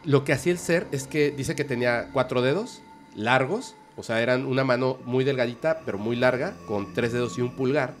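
Animated man telling a tale. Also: medium pitch, a little fast, a little hiss or hum. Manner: animated, vivid storyteller. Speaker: podcast guest. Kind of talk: casual storytelling in a podcast.

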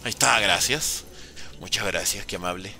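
A Venezuelan man streaming a game live, chatting with viewers and reacting in quick bursts. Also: on the low side, creaky, soft background music. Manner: lively, banters with chat, talks fast in bursts. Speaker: gaming streamer. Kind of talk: live gameplay commentary reading chat.

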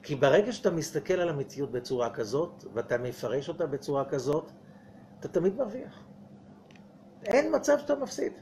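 Brief: male rabbi, fairly high voice, lively Torah lecture with faint background hiss. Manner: animated, rhetorical questions to audience, acts out dialogues. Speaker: rabbi teaching Kabbalah. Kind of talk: weekly Torah portion lecture.

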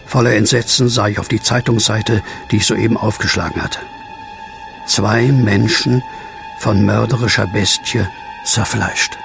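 An actor playing a brooding man who narrates his own horror story in an earnest, measured way. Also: lowish voice, steady tone, gravelly, over music. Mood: horrified brooding. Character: brooding male narrator, former asylum patient fearing werewolves. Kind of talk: first-person horror audio drama narration.

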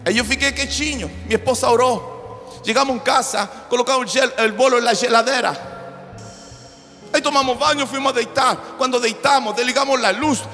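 A male pastor with a Brazilian Portuguese accent, preaching in Spanish as a second language, with shouted declarations and joking storytelling. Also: very high voice, a little fast. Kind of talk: charismatic preaching. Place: church hall. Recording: reverberant church hall with music.

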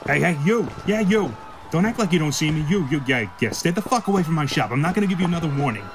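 A man playing a jaded, foul-mouthed black-market shopkeeper in a sci-fi audio drama, gruff and offhand. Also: fairly high pitch, lively intonation, quick pace, faint music behind. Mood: defiant, agitated. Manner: gruff, profane, offhand storytelling.

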